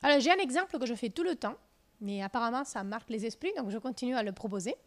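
A woman in her thirties with a clear Italian accent, giving a university-style lecture. She tells the story in a lively way, full of fillers and self-corrections, and her voice sits a little high. She speaks into a handheld microphone in a lecture room. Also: fast talker. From southern Italy. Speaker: physics lecturer. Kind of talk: lecture with slides. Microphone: handheld mic.

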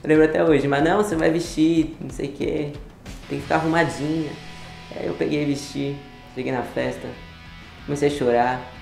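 Interviewee: 19-year-old man, Brazilian Portuguese accent, casual and laughing, quick delivery. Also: a little high, vocal fry, music in the background. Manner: relaxed, laughs often. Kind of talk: casual personal storytelling. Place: studio against grey wall. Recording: roomy room sound.

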